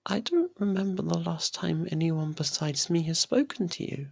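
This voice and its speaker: A performer voicing a possessive, lovestruck young faerie royal in an intimate ASMR roleplay, speaking softly and haltingly. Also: medium pitch, lively intonation, creaky, breathy edge, no echo, studio quality. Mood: worried. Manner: hesitant, halting, soft and pleading.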